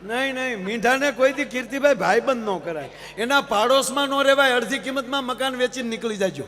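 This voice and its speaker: A man's voice: extremely high pitch, brisk, slight background noise. A man, a folk comedian telling stories to a live crowd, who keeps addressing the audience and acts out the voices in his jokes. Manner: lively storytelling with acted quotes and asides to the audience. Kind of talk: Gujarati folk stage humor storytelling. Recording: live stage PA with long hall reverb.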